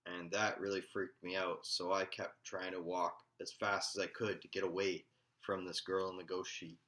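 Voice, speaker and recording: A man telling a personal story in a halting, casual way. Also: low-pitched, flat delivery, a bit bright. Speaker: vlogger.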